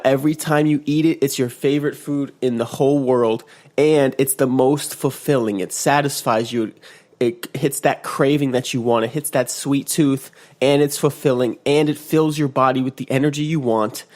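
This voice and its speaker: A man hosting a casual motivational podcast, just woken up and congested, rambling with restarts and acting out quotes in a higher voice. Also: darkish tone. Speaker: podcast host. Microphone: podcast mic.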